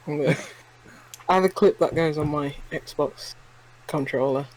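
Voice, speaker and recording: A woman's voice: low-pitched, slow pace, crowd noise, low-quality recording. Giggly, chatty woman podcast co-host. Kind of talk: casual chat.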